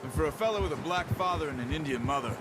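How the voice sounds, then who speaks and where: An actor playing a wary, self-reliant Western outlaw tracker in a video game, terse and plain-spoken, with an American accent. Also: male voice, fairly high pitch, animated, rapid-fire, natural voice. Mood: frank, reflective. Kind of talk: video game character dialogue. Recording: loud music behind the voice. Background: loud game music.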